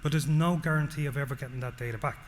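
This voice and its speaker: A man's voice: fairly high pitch, fairly even intonation, rapid-fire. An Irish man giving a technical presentation, explaining step by step and often checking in with the audience. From Ireland. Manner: explanatory, frequent "okay?" check-ins. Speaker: solutions engineer presenting. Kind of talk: conference presentation. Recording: long hall reverb, faint noise.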